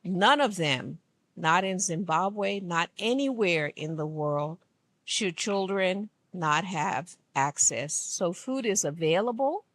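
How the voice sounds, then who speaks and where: A woman from Liberia giving an earnest, emphatic speech at an event, speaking slowly. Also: fairly low pitch. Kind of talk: formal public speech. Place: conference room.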